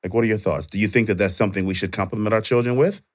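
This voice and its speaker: A man with an African American accent speaks in a fairly low voice as a panel moderator. He lays out points conversationally, step by step, and frames them as questions for the group. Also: fairly even intonation, very fast. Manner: explains step by step, checks with "right?".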